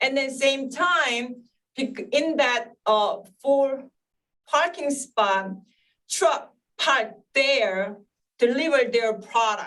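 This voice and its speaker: Speaking at a very slow pace with long, frequent pauses, a woman keeps a high pitch, ordinary pitch variation, and very even loudness. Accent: non-native. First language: not English. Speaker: public commenter, former store owner. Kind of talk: public comment at hearing. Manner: halting.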